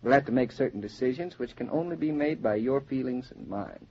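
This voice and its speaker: An actor playing a gentle, earnest young newlywed husband in a 1940s radio drama. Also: male voice, mid-range voice, animated, brisk, creaky, a little hiss or hum. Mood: tender. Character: David, young newlywed husband, tender and reassuring. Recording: dull 1940s radio transcription.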